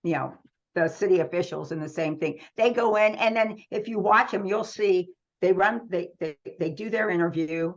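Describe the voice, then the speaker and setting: An American woman in middle age talks conversationally as an interview guest. Her voice sits on the low side with noticeable fry, and she explains her points earnestly. The recording is somewhat muffled. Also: moderate pace. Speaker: radio trade magazine publisher, interview guest.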